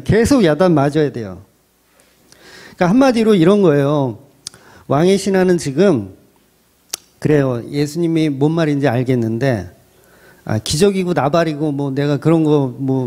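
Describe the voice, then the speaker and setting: A man's voice: on the high side, mellow. A male pastor preaching a sermon in a conversational way, acting out quotes and putting questions to his listeners.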